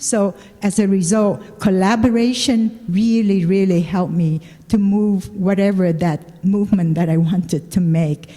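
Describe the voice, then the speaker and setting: A woman's medium-pitched voice at a fairly slow pace, with very even loudness, ordinary pitch variation and noticeable background noise. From Vietnam. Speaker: community leader, panelist. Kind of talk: panel talk. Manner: halting, many fillers.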